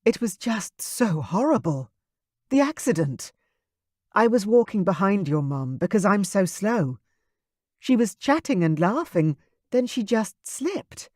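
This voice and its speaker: An audiobook reader voicing a pregnant young woman who is emotional and quick to anger, in a raised, intense voice. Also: big pitch swings, no echo, studio quality. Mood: distraught. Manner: high-pitched, intense, loud. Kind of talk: audiobook character voice.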